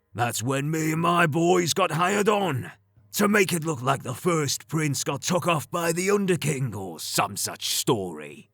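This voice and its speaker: A man's gruff, growling put-on character voice at a fairly high pitch and a moderate pace. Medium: read story. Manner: blunt, coarse, dismissive.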